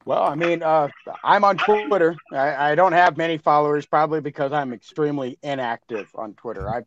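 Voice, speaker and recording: A man's voice: on the high side, lo-fi sound, noisy background. A man co-creating a podcast, chatting casually in a group and often restarting his sentences. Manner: halting, stumbles over words and restarts.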